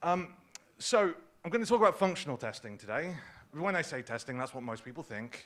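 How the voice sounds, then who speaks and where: His pitch swings very widely while vocal fry colors the man's voice. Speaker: technology conference speaker. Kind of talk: conference talk. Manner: casual, humorous.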